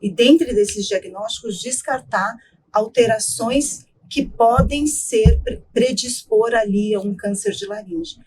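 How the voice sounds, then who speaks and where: A middle-aged woman, an ENT doctor, explaining voice care in an interview in a measured way, often ending with tag questions. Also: a little high, a little mellow, a little hiss or hum, poor audio. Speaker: ENT doctor, guest expert.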